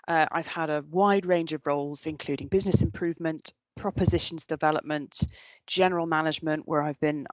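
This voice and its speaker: Measured British-raised woman, dry close sound. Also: deep voice, dry recording, poor audio. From United Kingdom. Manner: earnest, measured, frequent ums and restarts. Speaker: keynote speaker. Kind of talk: prepared talk about career, many fillers and restarts.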